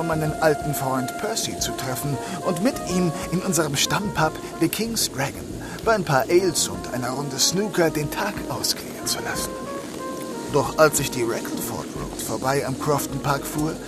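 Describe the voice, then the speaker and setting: A man playing a wry, persistent detective inspector in a crime audio drama, measured and dryly teasing. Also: fairly high pitch, lively intonation, loud music behind the voice, lightly acted. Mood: measured, narrating. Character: detective inspector narrating his case, wry, persistent, probing. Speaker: voice actor. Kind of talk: German crime audio drama, first-person narration and dialogue.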